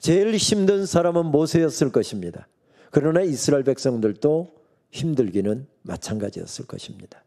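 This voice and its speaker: A man's voice: on the high side, very animated, brisk, mellow. A middle-aged man preaching a revival sermon in a church, telling the story with humor and acting out the characters' lines. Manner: storytelling preacher who acts out God's and Moses' lines with humor. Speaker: guest pastor preaching at a revival meeting. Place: church sanctuary.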